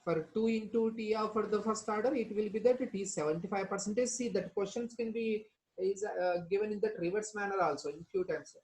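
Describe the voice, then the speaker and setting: A woman's voice: mid-range voice, fairly even intonation, fairly quick, a little mellow, rough recording. South Asian woman teaching step by step. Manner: addresses students with prompting questions and tag words. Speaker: chemistry teacher. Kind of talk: instructional lesson, explaining formulas step by step.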